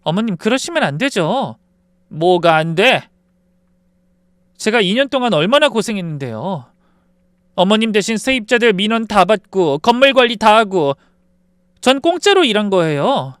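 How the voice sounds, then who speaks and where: A man's voice: high-pitched, big pitch swings, normal speed, pauses often, fairly bright tone, clean tone, dry recording, clean studio sound, pitched above the performer's own voice. Man putting on a smug scheming daughter-in-law. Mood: coldly defiant. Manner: cool, coldly polite defiance. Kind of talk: dramatized story reading.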